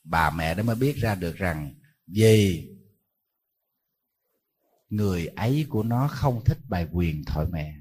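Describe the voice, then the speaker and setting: A man's voice: deep voice, expressive, measured pace, pauses often, darkish tone, breathy edge. A man, a Buddhist monk giving a sermon, telling stories in a conversational way and throwing rhetorical questions at his listeners.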